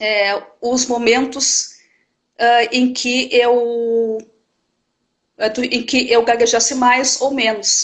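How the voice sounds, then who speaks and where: Very slowly and in a flat monotone, a woman speaks at a high pitch. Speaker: teacher who stutters. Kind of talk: live interview. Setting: online live stream. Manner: halting, many fillers and repetitions.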